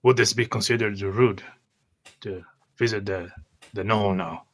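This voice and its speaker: A man playing a tabletop roleplaying game, speaking haltingly and deliberately as his character and describing his gestures. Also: fairly low pitch, steady tone. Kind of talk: in-character roleplay mixed with first-person narration.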